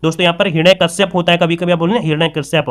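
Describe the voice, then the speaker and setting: A man's voice: a little high, steady tone, racing. A man teaching Hindi spelling for exam preparation. He goes through the points one by one, keeps addressing his viewers as friends, and drags out words to stress their spelling. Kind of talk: spoken lesson on Hindi spelling.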